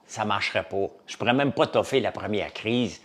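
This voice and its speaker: A man's voice: on the low side, moderate pace, a bit bright. A man with a Québécois French accent, a farmer and business owner, chatting casually to a live audience and rambling from topic to topic with many fillers.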